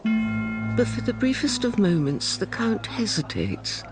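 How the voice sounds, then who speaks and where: A narrator reading a radio drama in a slow, expressive manner. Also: mid-range voice, over loud music. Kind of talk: scripted narration.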